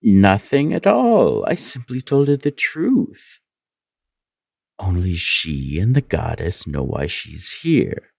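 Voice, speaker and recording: Sly creaky evil court advisor for fantasy audio drama, low slow voice, oily and flattering. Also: male voice, dry recording, studio quality, exaggerated voice. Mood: mocking, smug. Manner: insinuating, obsequious, drawn-out delivery. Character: scheming male royal advisor, silky, sly, manipulative flatterer.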